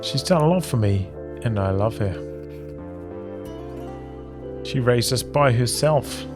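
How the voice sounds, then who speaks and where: A man's voice: mid-range voice, animated, normal speed, over music, natural voice. A man reading the part of a weary young student troubled by family in a visual novel. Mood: weary, conflicted.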